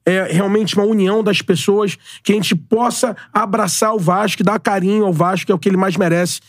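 This guest is a Brazilian man in his 40s and a candidate for club president, with a high voice and fairly even intonation. He speaks a little fast on an echo-free studio recording, earnestly circling back to the same points in slogan-like phrases.

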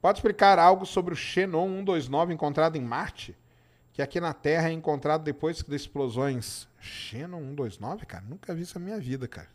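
A man's voice: fairly high pitch, a little fast. A middle-aged Brazilian man with a Minas Gerais accent, hosting a science live stream and chatting casually with viewers. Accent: Minas Gerais Portuguese. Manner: chatty, informal, answers chat questions with tag "tá?". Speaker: science show host.

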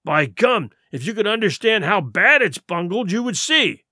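A man's voice: sits high, big pitch swings, normal speed, pushed and bright, no echo, clean studio sound, voice pushed up, exaggerated voice. A man voicing a cunning, scornful pirate sea cook in an audiobook, with emphatic, sarcastic speech in rustic nautical dialect. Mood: scornful, heated. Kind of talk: audiobook character acting.

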